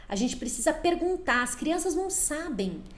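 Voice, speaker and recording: A woman in her forties with a high voice coaches parents in a relaxed live talk. She keeps slipping into short acted exchanges, switching quickly between the parent's voice and the child's. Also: reverberant. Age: 40s. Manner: coaching, acts out little dialogues in quick changing voices. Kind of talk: casual live talk to viewers.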